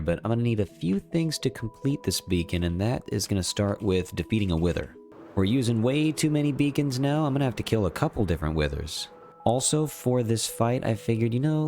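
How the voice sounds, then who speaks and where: Low-voiced, slightly sniffly man, casual gamer. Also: a little mellow. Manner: chatty, thinks aloud. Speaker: host of a gaming video series. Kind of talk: casual gameplay commentary. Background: music.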